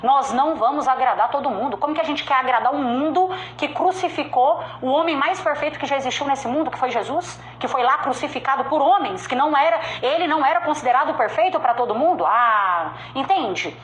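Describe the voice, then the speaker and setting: A woman with a strong regional Brazilian accent delivers a motivational sales talk, emphatic and direct, hammering home her key points through repetition. Her high, expressive voice moves fairly quickly with hardly any pauses. The room is echoey, with faint ambient sound.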